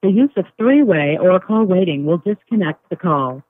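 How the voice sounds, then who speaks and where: An automated recorded message heard over a payphone-style prison line, giving slow, formal call instructions. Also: mid-range voice, animated, dry recording. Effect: recorded phone system message over a prison line. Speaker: automated collect-call prompt. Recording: tinny phone line, dry.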